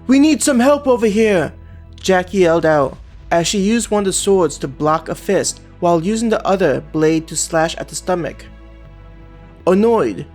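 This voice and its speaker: A man narrating a web novel in a steady, even reading voice. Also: a little high. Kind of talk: scripted audiobook narration. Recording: background music under narration.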